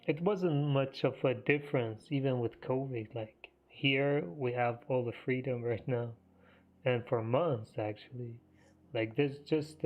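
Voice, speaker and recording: Man on a tinny phone-like line. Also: medium pitch. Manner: halting, many fillers and restarts. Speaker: live trading stream host. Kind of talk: casual chat.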